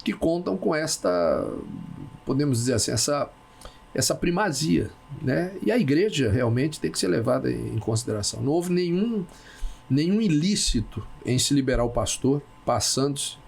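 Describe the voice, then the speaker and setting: A man hosting a casual talk show, who speaks haltingly and repeats words as he searches for them. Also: mid-range voice, very animated, vocal fry, darkish tone, husky.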